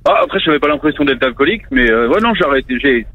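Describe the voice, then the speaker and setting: Guy calling a radio show, talks fast, ordinary pitch, casual and plain spoken. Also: animated, dry recording, muffled recording. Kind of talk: casual chat.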